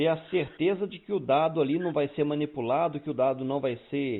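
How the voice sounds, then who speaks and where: This man has a plain, everyday voice pitched fairly high for a man. He talks at a moderate pace with lively intonation. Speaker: interviewer. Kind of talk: interview.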